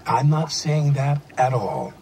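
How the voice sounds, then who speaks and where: A deep, unhurried male fish sage, put on by a woman, speaking in grave, cryptic proverbs from inside his tank. The voice sits far below her own, drawn out and heavy with mock wisdom. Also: big pitch swings, dark tone, a little hiss or hum, full character voice. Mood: solemn. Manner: slow, solemn, cryptic proverbs. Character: wise, serene male pet fish in a tank.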